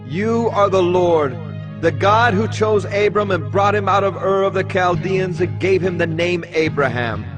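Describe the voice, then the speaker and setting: Guy playing a fervent levite praying out loud, high male voice, declamatory, music swelling behind. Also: measured pace. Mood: fervent, reverent. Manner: declamatory, reverent. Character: Levite man leading a crowd in fervent prayer. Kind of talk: dramatized scripture acting.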